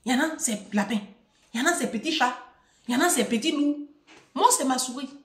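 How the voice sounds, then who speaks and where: Brief: woman vlogger, high-pitched, emphatic and mocking, recorded in an echoey room. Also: animated, fairly quick. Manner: mocking, emphatic, laughs often, swings loud and soft. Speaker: social media vlogger. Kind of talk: animated monologue to followers.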